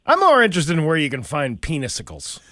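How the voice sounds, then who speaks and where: A male morning radio co-host tossing in quick jokes and reading the weather. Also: on the high side, wildly swooping pitch, bright, forceful tone, dry recording, studio quality. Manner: quick joking asides and weather reads. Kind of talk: casual morning radio banter.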